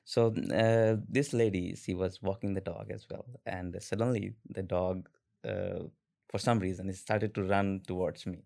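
A man in his twenties with an Indian accent, a podcast guest telling stories casually with halting restarts and fillers. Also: deep voice, steady tone, creaky, mellow. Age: 20s. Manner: halting, many restarts and fillers, laughs often. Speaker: interview guest. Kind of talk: casual conversational storytelling.

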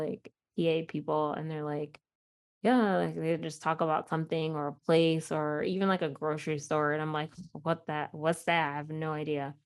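Young woman, Midwestern accent, podcast host, casual rambling chat, slightly low voice, self-deprecating. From Chicago. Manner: chatty, self-deprecating, laughs often, many fillers.

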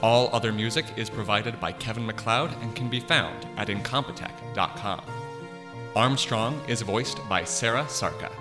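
Man reading show credits. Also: mid-range voice. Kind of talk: scripted credits read. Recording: music bed.

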